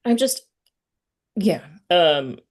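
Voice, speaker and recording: A woman's voice: fairly low pitch, very animated, drawn-out words. A woman interviewer in casual, personal conversation, earnest and often searching for her words. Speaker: podcast interviewer.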